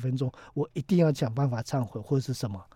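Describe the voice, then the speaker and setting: On a very clean recording with a silent background, a man talks at a very fast pace, somewhat breathy, in a dark, mellow tone. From Tibet. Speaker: doctor and author. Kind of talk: book interview.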